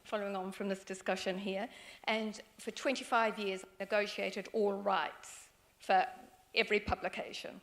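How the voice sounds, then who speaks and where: NZ woman attendee, mid pitch, measured and deliberate. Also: fairly even intonation. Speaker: meeting attendee.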